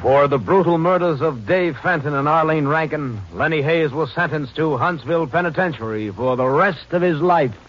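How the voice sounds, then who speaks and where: A male radio narrator with a fairly high voice delivers dramatic 1950s scripted narration. Loud music swells behind him on a dull old recording. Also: moderate pace, few pauses.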